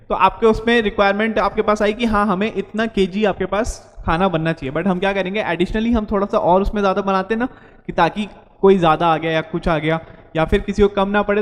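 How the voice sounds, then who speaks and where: A male engineering lecturer with an Indian accent, teaching at a board and repeatedly asking a question and then answering it. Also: sits high. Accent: Indian English. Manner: repeats his own questions and answers them. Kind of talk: whiteboard lecture in Hindi-English mix. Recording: long hall reverb.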